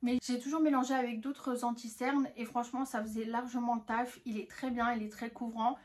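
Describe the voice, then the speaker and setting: A woman's voice: on the high side, level tone, brisk. A young woman reviewing used-up beauty products in a casual, frank chat. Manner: chatty, frank, lots of "honnêtement" and "franchement". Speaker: beauty vlogger.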